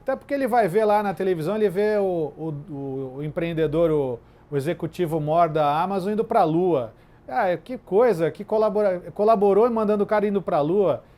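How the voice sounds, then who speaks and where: High-voiced bookseller hosting a talk. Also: male voice, fairly quick, dark tone. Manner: earnest and opinionated, then asking questions. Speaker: bookseller and host. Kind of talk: festival panel conversation.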